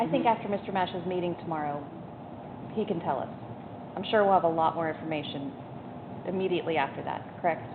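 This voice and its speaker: A woman's fairly low voice at a very fast pace, broken by long, frequent pauses, over noticeable background noise. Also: ordinary pitch variation. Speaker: school board member. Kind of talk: board meeting discussion. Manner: halting.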